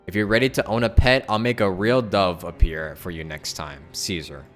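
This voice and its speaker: Male game streamer, lowish voice, offhand casual chatter with muttered asides, light music behind. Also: fairly even intonation, normal speed, a bit bright. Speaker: video game live streamer. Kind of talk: casual game stream chat and reading aloud.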